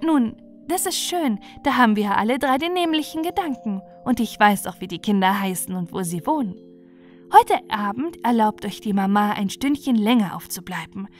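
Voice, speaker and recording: A woman voicing a kind, affectionate aunt in a storybook, speaking to children in a gentle, earnest way. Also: mid-range voice, expressive, moderate pace, soft background music, natural voice. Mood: pleased, encouraging. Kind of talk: storybook character voice.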